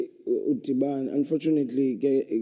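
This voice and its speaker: A man with a South African accent speaks at a moderate pace with fairly even intonation. His fairly high voice has a dark, mellow tone. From South Africa, Eastern Cape (East London township). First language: Xhosa. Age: 40s. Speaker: gospel singer and conductor. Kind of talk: podcast interview. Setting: studio.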